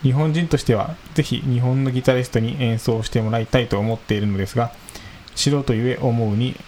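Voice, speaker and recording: A man's voice: medium pitch, steady tone, brisk, a little mellow, poor audio. Male podcast co-host, polite and modest, mid-range voice, faint background hiss. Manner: polite, modest, laughs easily. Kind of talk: reading a listener letter and casual chat.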